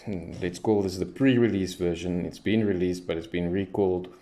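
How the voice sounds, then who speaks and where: A man's voice: low-pitched, steady tone, moderate pace, mellow. A man giving casual hands-on commentary as a radio hobbyist, thinking aloud as he tests. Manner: unscripted, thinking aloud while testing.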